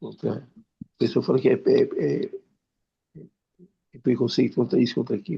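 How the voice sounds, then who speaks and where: A man is speaking. He keeps a moderate pace. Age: 60s. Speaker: church member. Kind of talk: online group conversation. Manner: halting.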